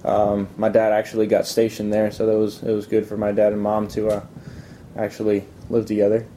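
Young man from Italy, low and dark, halting interviewee. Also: monotone, a little hiss or hum. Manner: hesitant, many ums and restarts. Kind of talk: casual interview answers.

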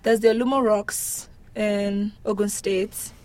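A woman with a mid-pitched voice talks as a guest in a casual interview. She is candid and informal, often driving a point home by repeating it. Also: steady tone, takes it slowly, darkish tone. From Nigeria.

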